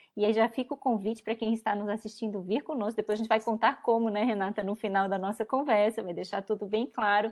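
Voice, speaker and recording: A woman with a fairly high voice speaks at a fairly quick pace. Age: 60s. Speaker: psychologist. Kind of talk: interview.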